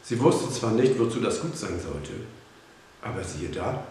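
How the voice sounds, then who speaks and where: A man narrating a children's storybook in a calm, measured reading, in an echoey room with faint hiss. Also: on the low side.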